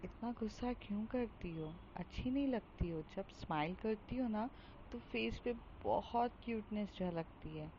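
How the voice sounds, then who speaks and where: A woman voicing Chahat, a sweet schoolgirl, speaking softly and pleadingly. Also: mid-range voice, unhurried, lightly acted. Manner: soft, pleading, quiet. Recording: dull recording with faint hiss.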